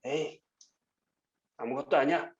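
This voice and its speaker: A man's voice: fairly high pitch, a little slow, lo-fi sound, lightly acted. A man voicing scornful townsmen who mock and dismiss people marching past. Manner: mocking, dismissive.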